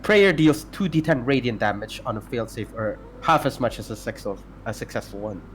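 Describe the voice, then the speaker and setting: A man's voice: mid-range voice, expressive, a little fast, a little hiss or hum. Hesitant man reading game item rules. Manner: hesitant, many fillers and self-corrections. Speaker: podcast co-host presenting homebrew. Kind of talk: casual chat and reading stat blocks.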